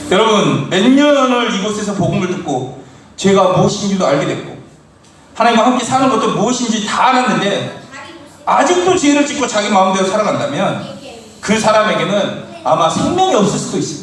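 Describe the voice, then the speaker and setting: Loud and lively in intonation, the voice moves at a fairly quick pace amid noticeable background noise and audible room echo. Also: man, high pitch for a man. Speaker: pastor. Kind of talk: sermon. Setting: church. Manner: gets louder with emphasis.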